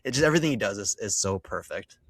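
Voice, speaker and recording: A man's voice: fairly low pitch, expressive, fast talker, a bit bright, breathy edge, no room sound. A man co-hosting a movie podcast, talking in a thoughtful, rambling way. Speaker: podcast co-host. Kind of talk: casual movie chat.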